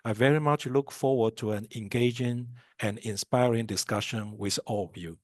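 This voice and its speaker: A man's voice: mid-range voice, normal speed, no echo, studio quality. A middle-aged man giving a formal, polite, scripted introduction as a presenter at a webinar. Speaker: student recruitment specialist, guest presenter.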